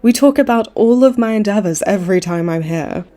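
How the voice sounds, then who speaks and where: A woman voices a hospitalized, smug, flirty supervillain in her late twenties, her mellow voice medium-pitched, expressive, fairly quick and natural. The comic roleplay carries a teasing mood, with theatrical, mock-sweet taunting.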